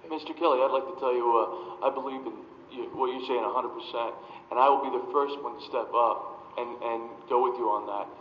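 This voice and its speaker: A man's voice: medium pitch, steady tone, a little fast. A man on a town board voicing emphatic, earnest agreement at a public meeting. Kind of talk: meeting remarks. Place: town hall meeting room. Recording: echoey hall, muffled, faint noise.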